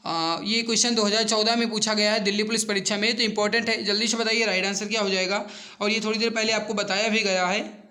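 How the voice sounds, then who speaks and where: A man's voice: sits high, fairly even intonation, quick pace, bright, forceful tone. A man teaching an online exam-prep lesson, addressing students directly and repeating questions and answers. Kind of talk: online lesson, working through quiz questions.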